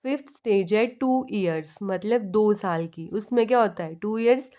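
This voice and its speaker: A woman's voice: mid-range voice, normal speed, dark tone. A young woman teaching an exam-prep lecture in with terms, explaining step by step and asking and answering her own questions.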